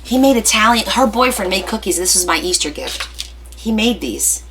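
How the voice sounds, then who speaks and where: A woman hosting a casual livestream, chatting to viewers in an animated, talkative way. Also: medium pitch, normal speed, crowd noise, low-quality recording. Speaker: livestream host.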